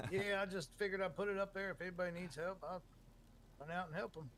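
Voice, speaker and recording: A man's voice: high voice, steady tone, brisk, fairly bright tone, a little hiss or hum. A man chatting casually in roleplay, polite and folksy, with hesitant stammered repeats. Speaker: player in a zombie survival roleplay server. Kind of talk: casual in-character roleplay chat.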